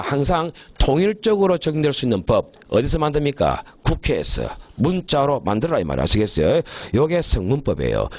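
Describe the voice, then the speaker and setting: A male criminal law lecturer in an exam-prep class talks quickly, his pitch leaping up and down as he stresses points. He keeps asking his students whether they follow and slows down to dictate key phrases. The sound is close and dry, with no room echo. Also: darkish tone.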